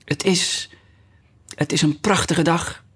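A man's voice: on the high side, very animated, normal speed, fairly bright tone, slightly rough, full character voice. A man reading a storybook aloud voices a timid, nervous male white rabbit in an anxious whisper.

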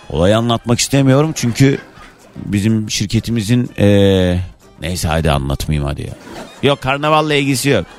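A man hosting a morning radio show, telling an indignant story in an animated, chatty way full of sound words. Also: medium pitch. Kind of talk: casual monologue.

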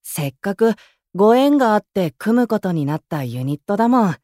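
A woman playing a gentle, earnest young male idol in a voice drama, explaining things kindly. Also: mid-range voice, sing-song, a little fast, no echo, studio quality, natural voice. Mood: earnest, encouraging. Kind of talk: anime-style voice drama acting. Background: music.

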